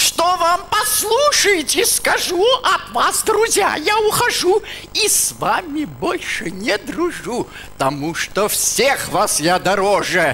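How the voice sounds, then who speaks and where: A man puts on a character voice at an extremely high pitch, talking fairly slowly over clear background noise. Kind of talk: comic fable reading. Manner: boastful, haughty, shouting.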